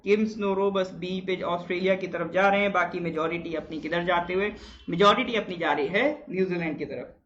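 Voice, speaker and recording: A man's voice: high voice, brisk, fairly bright tone, muffled recording, a little hiss or hum. A man teaching a live online exam-prep class, chatting with viewers, reading out their answers and quizzing them.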